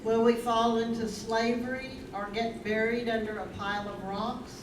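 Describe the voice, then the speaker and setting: A woman's voice: on the high side, fairly even intonation, moderate pace, natural voice. A woman reading the part of a philosophizing chorus member in a staged play reading. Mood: solemn questioning. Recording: echoey room, distant, clearly noisy.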